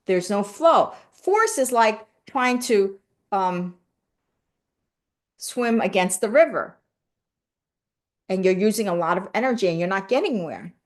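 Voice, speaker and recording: A woman's voice: medium pitch, unhurried, long pauses. Earnest middle-aged woman live streaming. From born in South Korea, raised in the US. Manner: warm, earnest, with many "you know" and "right?" fillers; lively when thanking viewers. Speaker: live stream host reading viewer comments. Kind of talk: casual live-stream chat about spirituality.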